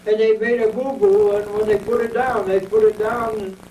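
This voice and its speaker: A man in his eighties with an American accent, telling his war memories at length in an oral history interview, wandering and pausing as he remembers. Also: very high voice, sing-song, gravelly, dark tone, a little hiss or hum. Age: 80s. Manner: rambling reminiscing storyteller. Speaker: veteran interviewee. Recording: echoey room, mic at a distance.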